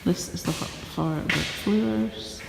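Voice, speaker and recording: A woman's voice: fairly low pitch, takes it slowly, creaky, very noisy. A woman with a Shetland Scots accent chatting casually to a vlog in a wry, understated, rambling way. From Shetland, Scotland. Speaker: vlogger.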